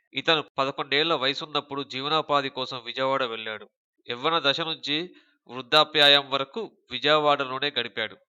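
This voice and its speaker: With a plain, everyday voice, a man speaks at a fairly high pitch with fairly even intonation. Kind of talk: news story narration.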